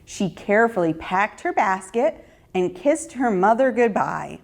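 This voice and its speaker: A woman reading a children's story in an expressive, deliberate narrating style. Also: medium pitch, creaky.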